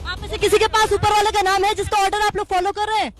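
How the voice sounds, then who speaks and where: A woman's voice: very high-pitched, little pitch movement, quick pace, soft background music. A woman field reporter reporting on the spot, pleading and insistently repeating her demands, with a dry throat.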